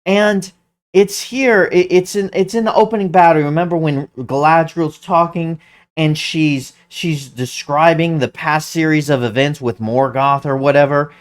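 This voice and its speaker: An online commentator giving excited, casual commentary, stumbling over and restarting words, and humming tunes aloud. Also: medium pitch, a little slow. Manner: animated, hums music aloud.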